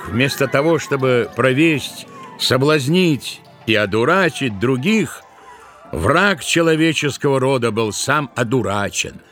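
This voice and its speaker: A man narrating a literary tale for an audio play, expressively, with drawn-out emphatic words. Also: mid-range voice, a bit bright, dry recording.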